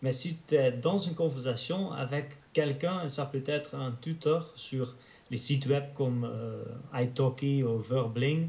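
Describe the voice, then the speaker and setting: A man with a Dutch accent speaks very slowly at a fairly high pitch, somewhat breathy. His tone is dark and mellow, his intonation fairly even. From Netherlands. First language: Dutch (speaking French). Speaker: polyglot language learner. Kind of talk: interview. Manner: halting.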